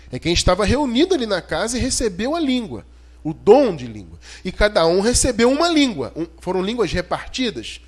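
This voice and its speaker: A man with a Brazilian Portuguese accent preaching an expository sermon in an emphatic, didactic way, putting rhetorical questions to his listeners. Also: high-pitched. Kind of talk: expository sermon, teaching scripture verse by verse.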